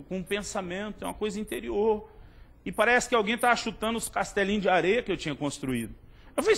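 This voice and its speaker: A middle-aged Brazilian man preaching a sermon with a Brazilian Portuguese accent, telling stories with humor and acting out dialogue. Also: high-pitched. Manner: humorous, animated, acts out dialogue. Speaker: pastor. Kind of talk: sermon with storytelling.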